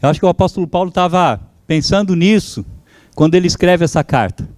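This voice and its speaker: A man's voice: high voice, fast talker, darkish tone, dry recording. A man whose first language is German, preaching a sermon as pastor, fervent and calling out to his congregation.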